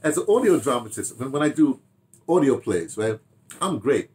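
An American man in his seventies reminiscing casually to camera in an animated, rambling way, with repeated phrases and asides. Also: mid-range voice, moderate pace. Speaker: audio dramatist and theater director telling his memoirs. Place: small home study, indoors.

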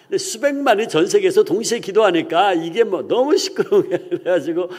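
A man's voice: high-pitched, lively intonation, a little fast, darkish tone, slightly rough, long reverb tail. A middle-aged male pastor preaching an early-morning sermon in a church, telling a story with acted-out voices.

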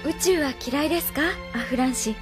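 A woman's voice: sits high, brisk, over music, close to an everyday voice. An actress playing a polite, sincere young woman on a starship crew in a radio drama. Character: polite young female staffer, devoted and caring.

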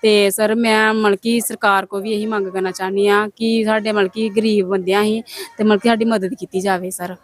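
A woman's voice: medium pitch, level tone, brisk. A young woman from Punjab with a Punjabi accent, pleading in an interview about her family's troubles, often breaking into tears. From Punjab, India. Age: young adult. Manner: pleading, addresses interviewer as sir constantly, many fillers. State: crying at times. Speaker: flood victim interviewee. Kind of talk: emotional interview testimony.

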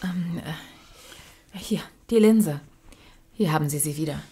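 Actress as shy, husky-voiced woman. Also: sits low, takes it slowly, exaggerated voice. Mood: remorseful. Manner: hesitant, soft-spoken. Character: shy, apologetic woman in a sci-fi crime drama. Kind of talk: audio drama acting.

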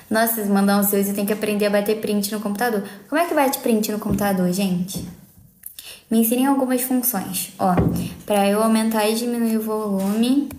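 A woman's voice: mid-range voice, a little mellow, echoey room. A young adult woman with a Brazilian accent chatting casually and playfully on a livestream. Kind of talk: casual live-stream chat. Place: small indoor room at home.

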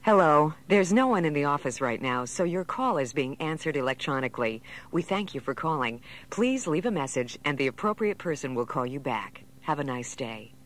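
Performer as electronic answering machine, formal, measured greeting, faint hum and cassette noise. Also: medium pitch, sing-song, fairly bright tone. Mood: polite, efficient. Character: cheerful efficient electronic secretary answering machine. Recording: noisy old cassette recording with hum.

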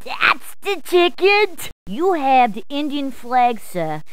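A woman's voice: sits high, sing-song, takes it slowly, fairly bright tone, dry recording, heavily acted. A woman voicing a cheery adult policewoman in a game, speaking in upbeat, chatty puns. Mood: cheerful. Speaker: voice actor. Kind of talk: game voice clips.

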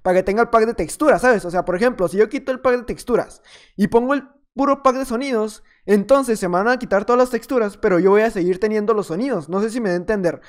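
A man's voice: high-pitched, fast. A man giving casual, playful commentary over his own gameplay. He rambles a little and teases the players he fights. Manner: playful, rambling, teasing opponents. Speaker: gaming video creator.

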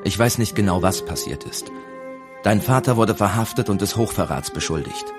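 A man reading the part of a grave, kindly abbot in an audiobook, speaking in a gentle, measured, solemn way. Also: fairly low pitch, expressive, over music, natural voice. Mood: somber.

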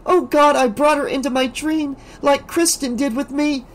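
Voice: sits high, fairly even intonation, normal speed, pitched above the performer's own voice, lightly acted. A reader voicing a trembling teenage girl. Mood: desperate. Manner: tremulous, whispering. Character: frightened teenage girl, haunted and pleading.

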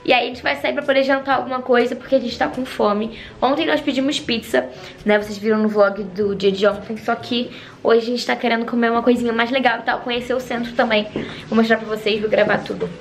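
A young woman who is slightly hoarse from losing her voice, chatting upbeat to viewers on a handheld camera while travelling. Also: a little high, steady tone, fast. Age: young adult. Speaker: vlogger. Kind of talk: casual travel vlog to camera. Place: outdoors at a beach and on a boat, later indoors in a flat. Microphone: handheld camera at arm's length. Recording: noisy handheld camera audio.

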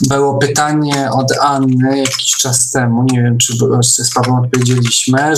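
A man hosting a casual online discussion, speaking haltingly and often repeating his words. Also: medium pitch, rough recording. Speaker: online meeting host.

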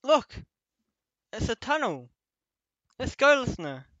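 A man playing a protective young companion leading an escape in an ASMR roleplay, speaking haltingly in short phrases. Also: very high-pitched, very animated, sharp tone, highs cut off, exaggerated voice. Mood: urgent, reassuring.

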